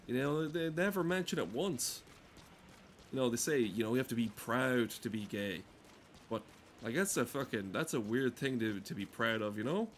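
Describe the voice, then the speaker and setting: Guy doing crude rambly gaming commentary, sweary, avg pitch, bit of noise behind him. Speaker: gamer talking over gameplay.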